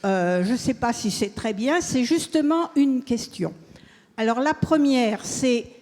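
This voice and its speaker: A woman from the audience asking a question at a public talk, measured and deliberate. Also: on the high side, animated, a little mellow, slight background noise. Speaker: audience member. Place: large hall at a public event. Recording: reverberant hall.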